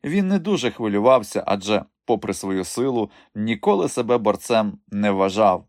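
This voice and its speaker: A man narrating an audiobook in an expressive storytelling manner. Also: fairly low pitch, normal speed, no echo, clean studio sound. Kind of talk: scripted narration.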